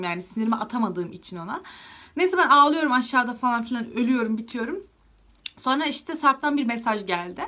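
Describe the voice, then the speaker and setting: A young woman talks straight to camera in a casual storytime vlog. Her voice sits a little high and she rattles along quickly, voicing each person in the story as she goes. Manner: chatty, lively retelling of dialogue with many fillers. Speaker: vlogger.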